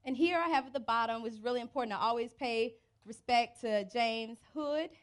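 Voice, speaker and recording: A woman's voice: on the high side, brisk. A young adult woman with an American accent, giving an informal, chatty presentation as a teacher coach, speaking into a handheld mic. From United States (Birmingham, Alabama and Cleveland, Ohio). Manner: chatty, casual, colloquial. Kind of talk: informal presentation to a live audience. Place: outdoors under a large event tent. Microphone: handheld mic through PA speakers.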